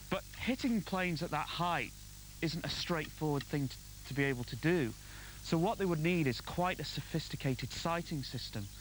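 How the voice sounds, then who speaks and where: Speech moves at a moderate pace with ordinary pitch variation. The sound is dry with no echo and has light background noise. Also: man. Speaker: TV presenter. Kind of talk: presenter piece to camera. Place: open country. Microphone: lapel.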